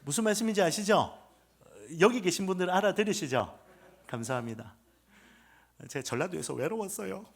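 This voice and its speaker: Middle-aged pastor w/ gyeongsang accent, pretty high voice, preaching loud then dropping to a murmur. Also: male voice, lively intonation, normal speed, creaky, pauses often. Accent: Gyeongsang Korean. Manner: emphatic preaching, swings from loud proclamation to hushed murmur. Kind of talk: revival sermon.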